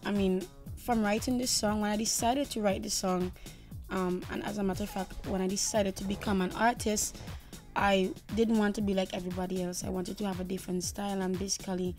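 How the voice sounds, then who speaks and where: A woman's voice: mid-range voice, steady tone, a little fast, darkish tone, soft background music. A young woman from Trinidad and Tobago, a singer answering interview questions confidently, often saying "you know". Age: young adult.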